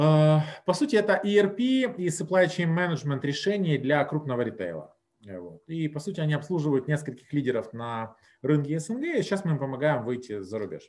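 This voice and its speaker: With a fairly high pitch and very wide pitch swings, a man talks at a moderate pace. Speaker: book club organizer, entrepreneur. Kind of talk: online group discussion. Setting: video call. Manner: halting, many fillers. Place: office. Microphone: webcam.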